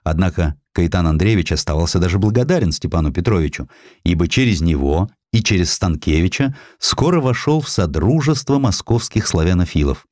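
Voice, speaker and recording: A man reading a literary historical narrative aloud in an expressive, scripted storytelling style. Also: deep voice, fairly quick, dry recording, studio quality. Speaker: audiobook narrator. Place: dry studio.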